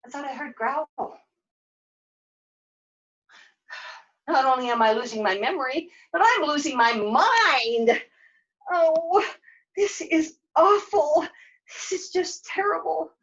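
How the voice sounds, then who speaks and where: A woman's voice: high voice, animated, measured pace, fairly bright tone, pitched above the performer's own voice, full character voice. A woman voicing a weary, scatterbrained heroine of a fairy-tale quest, dramatic and exclamatory as she talks to herself. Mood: despairing, exhausted. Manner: dramatic, self-talking, exclamatory. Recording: dull lo-fi sound.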